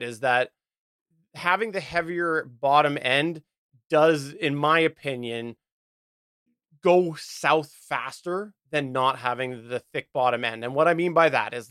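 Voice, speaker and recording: Higher-pitched man chatting, dry sound. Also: a bit bright, smooth, dry recording. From Canada. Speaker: podcast co-host. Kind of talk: casual chat about audio gear.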